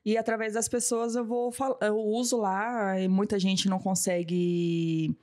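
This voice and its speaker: A woman in her thirties speaks in a casual interview, her voice mellow and warm. She is a massage therapist who tells her story with many retold exchanges, acting out the voices. Her pitch sits in the middle. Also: little pitch movement, a little slow. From Brazil. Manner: storytelling, often acting out what she and others said.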